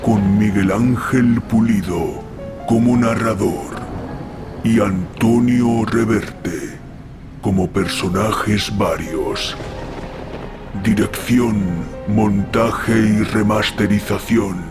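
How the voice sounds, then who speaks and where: A man announcing a horror audio show in a scripted, theatrical way, with ominous, deliberate, separated phrases. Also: on the low side. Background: music behind the voice.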